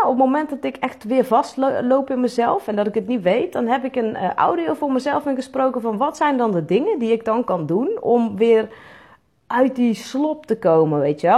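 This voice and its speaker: A woman's voice: on the high side, a little mellow, husky. A woman, an entrepreneur talking frankly on her own show, swearing freely and filling her speech with tag questions. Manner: frank and blunt, swears freely, fills with "weet je wel". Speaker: entrepreneur and podcast host. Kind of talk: candid solo monologue.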